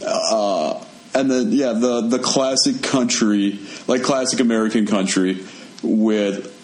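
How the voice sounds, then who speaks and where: A young man co-hosting a podcast, explaining in a relaxed way with many fillers. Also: fairly low pitch, takes it slowly. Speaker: podcast host. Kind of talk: casual chat and explaining. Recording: echoey room with faint music.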